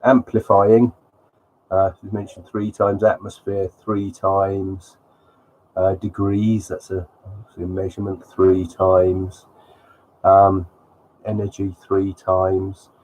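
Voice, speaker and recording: Hosting a live stream, a sniffly man with a cold rambles through slides in casual live commentary, with plenty of ums. His voice is deep and darkish, entirely flat, and slow, and the audio quality is poor.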